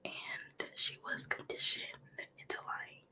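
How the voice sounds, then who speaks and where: A woman, whispering her commentary on a livestream close to the mic, sniffling from a cold. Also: slow. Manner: soft whisper with frequent ums and likes. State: getting over a cold, sniffling. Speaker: ASMR livestream host. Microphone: close ASMR microphone.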